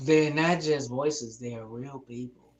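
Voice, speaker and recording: A woman co-hosting a casual stream, speaking in a dry, softly teasing way. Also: extremely low pitch, measured pace, muffled recording. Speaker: co-host performing characters. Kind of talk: casual chat.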